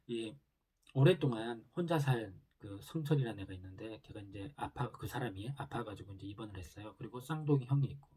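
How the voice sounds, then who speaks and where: A man's voice: lowish voice, animated, brisk, warm tone, breathy edge. A man retelling a TV drama's episodes in a loose, casual way, full of fillers and restarts. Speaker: drama reviewer.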